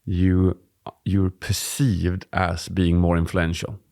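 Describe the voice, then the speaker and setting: A man in his forties, a presentation coach, explaining at a relaxed pace as he co-hosts a podcast on a studio mic. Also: deep voice, slow, vocal fry. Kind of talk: casual podcast chat. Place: dim studio with warm lamps. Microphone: studio mic on boom arm.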